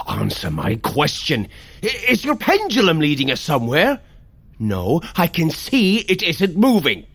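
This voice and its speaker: An actor playing an impatient, exasperated warrior god in audio drama, grumbling and blunt in a declamatory way. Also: male voice, on the high side, wildly swooping pitch, a little slow, fairly bright tone, breathy edge, dry recording, full character voice. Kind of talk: dramatic audio fiction acting.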